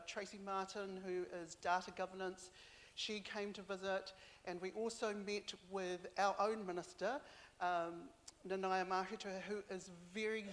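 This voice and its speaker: New woman speaking in a big hall. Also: mid-range voice. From New Zealand and Samoa. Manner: halting, with many fillers, mixing in Māori. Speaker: archive board member. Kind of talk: speaking at a community consultation.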